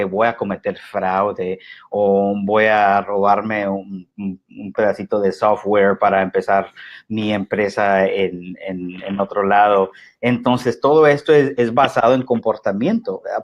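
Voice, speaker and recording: A man with a Mexican Spanish accent, explaining security in a webinar talk, halting and full of fillers and restarts. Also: on the low side. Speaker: guest security expert.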